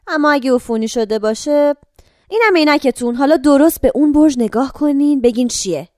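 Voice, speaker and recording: An actress playing a brisk, matter-of-fact care-home attendant who gives an old woman instructions. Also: high-pitched, expressive, darkish tone, no echo, studio quality. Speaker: caregiver.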